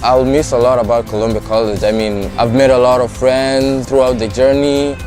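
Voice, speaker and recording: A man from Kenya, an international student, giving relaxed advice in a testimonial. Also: medium pitch, moderate pace. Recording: music bed behind voice.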